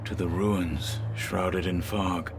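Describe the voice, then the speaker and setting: A man playing a stoic, proud tribal warrior in a game, speaking in a formal, measured, earnest way over music. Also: low-pitched, flat delivery. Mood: grave. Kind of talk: video game cutscene dialogue.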